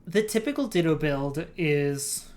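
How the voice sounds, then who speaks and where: Low-voiced woman streamer, rambling. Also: expressive, a little slow, a little mellow. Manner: rambling explainer, giggly. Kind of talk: casual gameplay stream chat.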